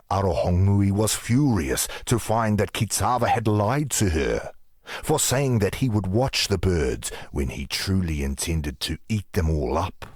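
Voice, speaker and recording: An actor playing a solemn tribal storyteller in a video game, recounting myths of gods in a grave, deliberate, gravelly voice. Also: male voice, sits low, darkish tone, no room sound, clean studio sound, full character voice. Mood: stern, indignant. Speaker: lore narrator. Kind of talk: slow mythic storytelling.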